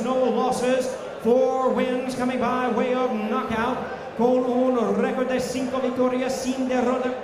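An older man announcing a boxing match in the ring through a handheld microphone, with a drawn-out showman delivery like a lucha libre announcer. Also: extremely high pitch. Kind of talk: bilingual boxing ring announcing in Spanish and English. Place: in the ring of a large indoor boxing arena. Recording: echoey arena PA with loud crowd noise.

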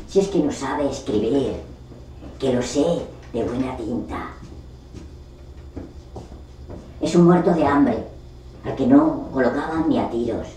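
A very echoey, distant recording of a stage monologue. A woman plays a forgotten literary character, indignant and sorry for herself, who laments slowly and melodramatically with dramatic pauses. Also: a bass voice, dark tone. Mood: scornful, confiding. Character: forgotten, discarded literary character, bitter, self-pitying and indignant. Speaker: actor rehearsing a monologue. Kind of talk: theatrical monologue. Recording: distant mic, echoey room, faint noise.

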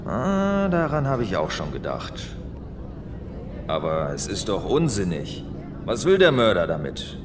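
Low, animated man as fatherly police superior. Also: unhurried, background noise. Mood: pondering. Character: fatherly, weary older male police superior. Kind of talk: audio drama acting.

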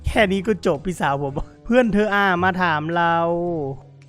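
A man commenting on a role-play game, reading chat messages aloud, excitable and often laughing. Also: high-pitched. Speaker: gaming YouTuber.

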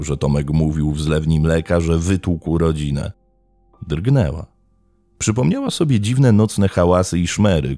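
A man telling a true-crime story as a scripted narration, in a measured, dramatic way. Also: very deep voice, vocal fry, warm tone.

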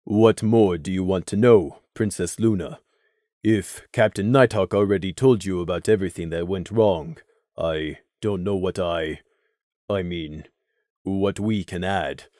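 A young pony guard, earnest and worn down, talking low and soft, as a reader puts him on. He hesitates and stumbles over his words. The sound is close and dry. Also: dry recording. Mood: dejected. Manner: quiet, halting, self-reproaching.

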